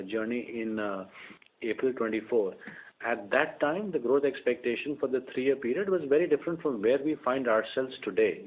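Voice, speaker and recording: Man on a narrow-band conference line. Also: medium pitch. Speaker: company executive. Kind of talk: earnings call answer. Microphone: conference call line.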